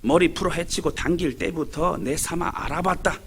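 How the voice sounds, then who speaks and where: A man voicing old countrywomen gossiping in a put-on Gyeongsang dialect, slow and exclaiming. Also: on the high side, a bit bright, breathy edge.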